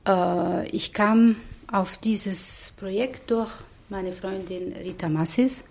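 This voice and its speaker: Slow, mellow woman. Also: mid-range voice, vocal fry. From Tunisia. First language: Arabic. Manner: hesitant, with filler sounds and repeats. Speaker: guest artist and writer. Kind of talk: radio interview self-introduction.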